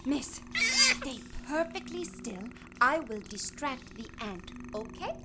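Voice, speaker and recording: A woman's voice: sits high, huge pitch swings, takes it slowly, heavy background noise, full character voice. A woman playing a polite, knowledgeable leader. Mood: coaxing. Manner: polite and knowledgeable, prone to rambling. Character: calm, kindly woman leader with a dog.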